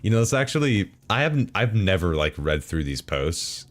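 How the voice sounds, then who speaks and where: A man's voice: low voice, very animated, moderate pace. A male streamer in casual chat, reading forum posts aloud between game loads with sarcastic, chuckling asides.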